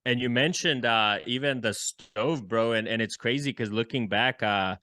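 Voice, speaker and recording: A man from El Salvador, a musician and entrepreneur, telling his story in a relaxed, friendly way as a podcast guest. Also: medium pitch, moderate pace, no room sound, clean studio sound. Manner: relaxed, friendly, with frequent fillers. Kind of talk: casual interview storytelling.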